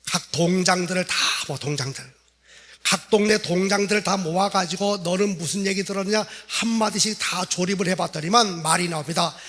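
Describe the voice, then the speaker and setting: High-voiced Korean pastor preaching with animation. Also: male voice, moderate pace. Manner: animated storytelling, acting out quoted lines. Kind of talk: revival sermon. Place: church sanctuary.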